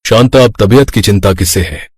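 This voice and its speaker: A man's voice: on the low side, normal speed, husky, dry recording, clean studio sound. A man voicing a kindly, worried elderly rich father in a cartoon story, affectionate and fretful. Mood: fond, worried.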